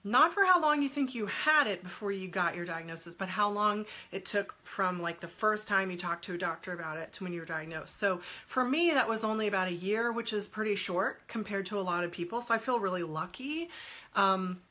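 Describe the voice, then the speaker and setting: A woman's voice: mid-range voice, expressive, a little fast, pushed and bright. Stuffy-voiced woman chatting on a live stream. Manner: chatty, laughs often, greets viewers by name. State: stuffy head cold. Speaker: guest speaker on a live stream. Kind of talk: casual live-stream chat answering comments.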